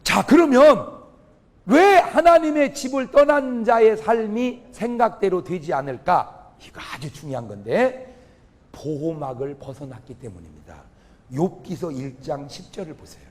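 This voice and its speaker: Speaking a little slowly, a male pastor with a high, expressive voice delivers a funny revival sermon to a congregation in a church or large auditorium. He keeps throwing questions at the crowd and exclaiming, inviting call-and-response.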